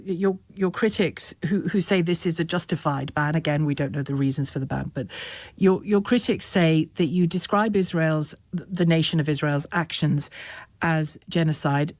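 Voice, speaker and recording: A woman's voice: deep voice, moderate pace, a little mellow, dry recording. Probing British woman TV host. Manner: probing, pushes back, stammers restarts. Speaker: television host. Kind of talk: challenging TV interview.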